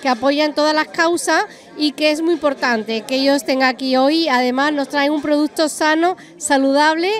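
Effusive high-voiced woman reporter. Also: moderate pace, few pauses. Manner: chatty, effusive, self-aware talker. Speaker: event reporter. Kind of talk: event interview. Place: busy restaurant event indoors. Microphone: handheld mic.

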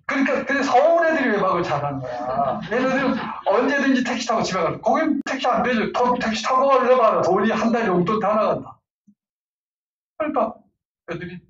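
Animated high-voiced man lecturing. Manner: animated, laughing, acts out angry outbursts. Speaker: parenting lecturer. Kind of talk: lively lecture with role-play examples. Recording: far-off roomy lo-fi lecture recording with faint noise.

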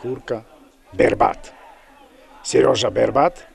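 A male sports commentator with a gravelly, creaky voice of medium pitch. He calls the football live in an excited, exclamatory way, drawing out his cries as he follows the play.

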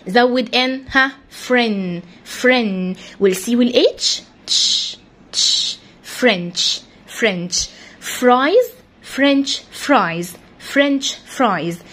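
An Egyptian woman teaching English vocabulary to children, her voice high and husky. She swings her pitch up and down, repeats each word and spells it out letter by letter, and coaxes the pupils along as she goes. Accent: Egyptian Arabic. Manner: coaxing, addresses pupils directly.

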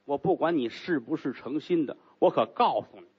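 A man's voice: fairly high pitch, animated, normal speed, slightly rough, highs cut off. A man doing a cool, imperious rich woman. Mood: stern, commanding. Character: haughty rich young concubine, woman, commanding.

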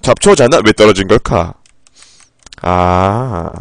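Profane, excitable game streamer, lively pitch. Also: male voice, takes it slowly, no echo, clean studio sound. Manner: profane, with sudden loud outbursts; reads in-game text aloud in a low flat voice. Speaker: live streamer. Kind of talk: live-streamed game playthrough.

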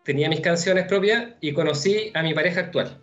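A young man with a Chilean accent answering interview questions on a video call from home, relaxed and rambling with many fillers. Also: on the high side, brisk. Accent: Chilean Spanish. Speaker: musician guest. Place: room at home. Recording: dull lo-fi video call audio with faint music.

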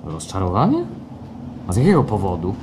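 Radio play: obsessive pedantic experimenter-doctor, very animated intonation, faint noise. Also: male voice, low voice, brisk. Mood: incredulous. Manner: theatrical, exclamatory, pedantic. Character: excitable, fussy, obsessive male doctor-experimenter. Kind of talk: live radio play acting. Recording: live stage recording with background noise.

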